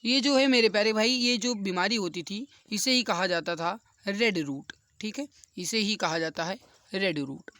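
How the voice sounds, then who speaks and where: A man's voice: high voice, normal speed, sharp tone, dry recording, studio quality. A man explaining quiz questions as an exam coaching teacher, repeating key answers for emphasis.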